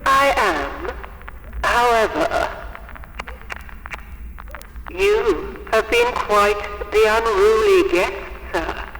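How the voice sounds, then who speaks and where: A high, echoing, imperious mistress. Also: male voice, very animated, pushed and bright, exaggerated voice. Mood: amused, condescending. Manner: slow, theatrical, coldly courteous, menacing. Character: the Architect, imperious female overseer of a sinister mansion. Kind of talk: audio horror drama acting. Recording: echoing hall, long reverb, faint noise.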